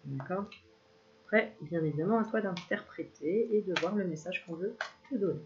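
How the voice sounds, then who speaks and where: A woman's voice: lowish voice, normal speed. Chatty woman doing a card reading. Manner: chatty, laughs often, addresses viewer familiarly. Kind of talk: casual card-reading video. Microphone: self-filmed camera. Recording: slightly dull lo-fi sound, faint hiss.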